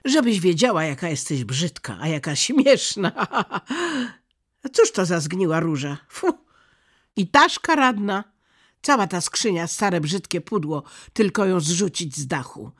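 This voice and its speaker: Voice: mid-range voice, huge pitch swings, drawn-out words, pauses often, breathy edge, heavily acted. A storyteller voicing a young boy who has turned cold, mocking and scornful, in a storybook reading. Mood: sneering. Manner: sneering, loud, scornful.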